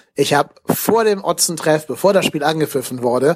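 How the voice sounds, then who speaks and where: A man talks in a plain, everyday voice, keeping a moderate pace and lively intonation. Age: 30s. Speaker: football fan sending voice message. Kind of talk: recorded voice message.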